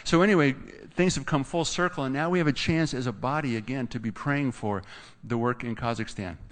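A man's voice: medium pitch, fairly quick. A man, a pastor, making casual announcements from the pulpit with teasing asides to a guest. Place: church sanctuary. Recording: long church hall reverb.

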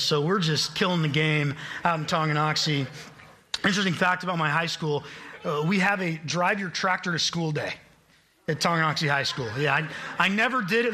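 An upbeat young man from Kansas preaches to a congregation with a bright, fairly high voice. He jokes about himself between his points. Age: late 20s. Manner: upbeat, self-deprecating, joking. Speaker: guest preacher, college admissions staff. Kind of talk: sermon. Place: church sanctuary.

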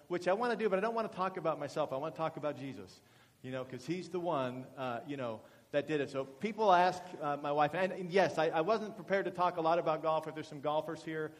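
A man in his forties gives his testimony as a guest speaker to a church congregation, chatty and self-deprecating, with frequent fillers, restarts and stumbles. His voice is a little high for a man, and a long, hall-like echo fills the room.

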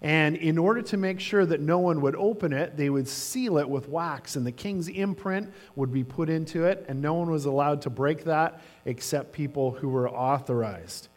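A man's voice: a little high, normal speed, hardly any pauses. A man preaching a sermon as the pastor, telling stories in a conversational way with some fillers.

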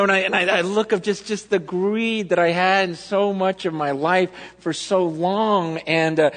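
A man's voice: high-pitched, a bit bright. A man preaching a sermon as pastor, telling personal stories in a loose, self-interrupting way that loses its thread and circles back. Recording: long reverb of a large hall.

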